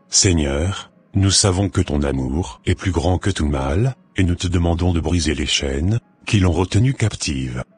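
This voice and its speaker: A man's voice: low voice, breathy edge, heavily acted. A man playing a devout, earnest Christian who speaks solemnly and formally in a scripted Christian cartoon. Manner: formal, solemn prayer delivery.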